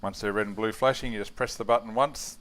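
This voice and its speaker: Low-voiced Australian man, casual and plain-spoken. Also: fairly even intonation, quick pace, fairly bright tone. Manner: plain-spoken, matter-of-fact. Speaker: motorcycle gear reviewer. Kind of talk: casual product review to camera.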